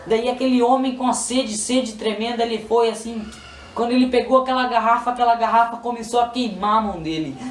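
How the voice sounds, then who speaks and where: A man's voice: very high-pitched, a little fast. Brazilian man giving an emotional testimony. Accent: Brazilian Portuguese. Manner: repetitive, pleading, emotional retelling. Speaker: person giving a religious testimony. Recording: roomy, distant mic, faint noise.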